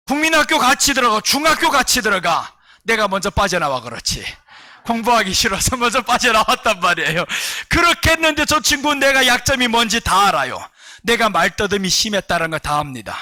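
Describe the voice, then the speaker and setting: A middle-aged man, a pastor, preaching a sermon in a church with animated storytelling, jumping between shouts and low asides. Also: no echo.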